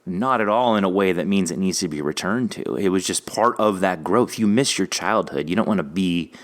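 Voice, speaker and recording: A man's voice: low-pitched, brisk. A man hosting a podcast in casual conversation, earnest and prone to repeating phrases for emphasis. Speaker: podcast host. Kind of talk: casual interview chat.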